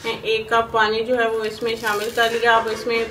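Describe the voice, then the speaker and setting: Pakistani woman, cooking host, fairly high flat voice, echoey kitchen far from the mic. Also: moderate pace. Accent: Urdu-speaking Pakistani. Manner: homely, repeats filler "jo hai" constantly. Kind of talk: step-by-step recipe narration. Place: home kitchen. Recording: echoey, distant kitchen recording with faint hiss.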